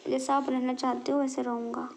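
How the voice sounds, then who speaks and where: A young woman in a casual relationship argument on a call, explaining herself haltingly and often rephrasing. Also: sits high, flat delivery, gravelly, a little mellow, a little hiss or hum. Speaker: girlfriend in a couple's call.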